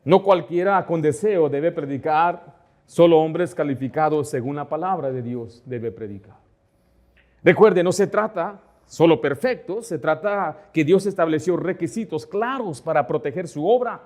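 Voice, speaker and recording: A man's voice: on the high side, a little slow, darkish tone. A middle-aged man pastor preaching a sermon in church, asking the congregation rhetorical questions and acting out quoted conversations.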